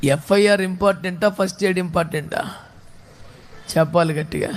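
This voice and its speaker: High-pitched fervent Telugu pastor preaching. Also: male voice, fairly quick. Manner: fervent preaching, swings from soft pleading to loud exhortation. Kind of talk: sermon.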